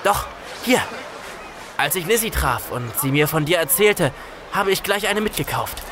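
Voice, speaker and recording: An actor playing a loyal, protective, quick-witted youth in an audio drama. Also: male voice, fairly high pitch, expressive, noisy background, natural voice. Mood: warm relief.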